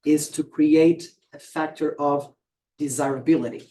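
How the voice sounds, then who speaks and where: A man from Portugal, asking a guest lecturer a long, thoughtful question and pausing often to find his words. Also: fairly high pitch, fairly even intonation, mellow, slight background noise. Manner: thoughtful, searching for words, hesitant. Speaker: audience member asking the speaker a question. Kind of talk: question after an academic lecture. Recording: voice picked up from far off the mic.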